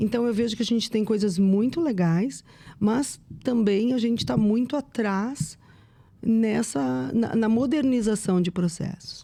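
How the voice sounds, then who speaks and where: The voice is somewhat breathy, with a dark, mellow tone. It moves at a moderate pace. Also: woman. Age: 60s. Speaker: vice mayor and politician. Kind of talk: podcast interview. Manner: halting, many restarts and fillers.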